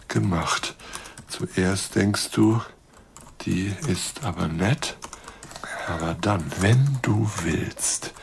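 An actor playing a lonely, awkward middle-aged astronomer in a radio play, halting and muttering as he composes emails. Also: low voice, creaky, slight background noise, heavily acted. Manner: halting, self-correcting, muttering, trailing off.

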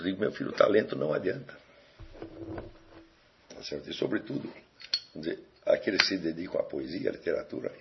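Gravelly deep-voiced Brazilian man lecturing. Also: noisy background. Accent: Brazilian Portuguese. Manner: digressive, conversational, rhetorical questions with tag "tá certo?". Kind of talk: recorded lecture to students. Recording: dull lo-fi lecture recording.

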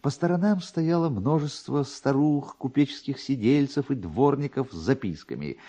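Highly animated male literary narrator. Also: normal speed. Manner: theatrical, expressive. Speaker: story narrator and actor. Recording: dull, band-limited archive radio recording.

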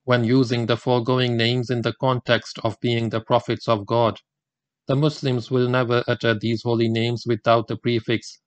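An older Muslim man from India, whose mother tongue is Gujarati, gives a formal religious talk in English. His cadence is measured and deliberate at a middling pitch, and the recording is close and dry with no room sound.

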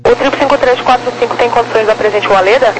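A woman's voice: a little high, quick pace. A woman air traffic controller with a Brazilian Portuguese accent, heard over a two-way aviation radio, speaking in clipped, formal radio phraseology. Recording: noisy radio transmission.

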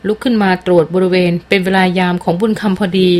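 Woman reading as calm veteran male hunter. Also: on the low side, quick pace, lightly acted. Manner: calm, firm and kindly. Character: seasoned male big-game hunter, calm, protective.

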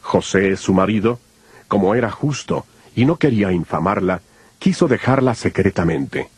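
A man narrating scripture from a script in a solemn, measured storytelling manner. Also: fairly low pitch, animated, slightly rough, no echo. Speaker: Bible narrator.

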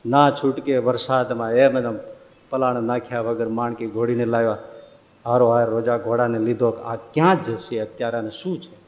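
Dramatic storyteller. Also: male voice, fairly even intonation, normal speed, highs cut off. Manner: dramatic and emotive, with sweeping swings in pitch and loudness. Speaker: religious storyteller. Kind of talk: devotional story-sermon. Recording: echoey hall with long reverb.

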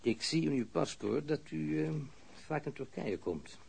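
An actor playing a stern, sarcastic police interrogator in an audio crime drama, probing formally and relentlessly. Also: male voice, fairly high pitch, lively intonation, measured pace, gravelly, darkish tone, a little hiss or hum, full character voice. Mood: taunting, insistent.

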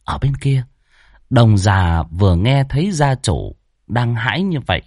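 A male storyteller who reads a ghost tale with a lively, expressive delivery. His pitch moves a lot, his voice sits in a middle range, and the recording is close and dry. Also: measured pace, dry recording. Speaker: narrator.

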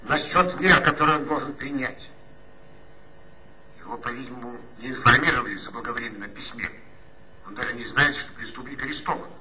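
A dutiful police officer in a 1960s radio play, reporting briskly over the radio. His voice is very bright and tense. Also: medium pitch, lo-fi sound. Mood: concerned.

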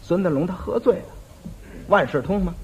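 A man's voice: high voice, brisk, slightly rough. A man performing traditional crosstalk. He tells the story with a stammering, teasing back-and-forth. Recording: dull lo-fi old recording.

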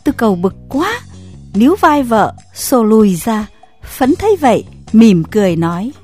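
Breathy, expressive woman narrator. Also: fairly high pitch, normal speed, faint music behind. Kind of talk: scripted story narration.

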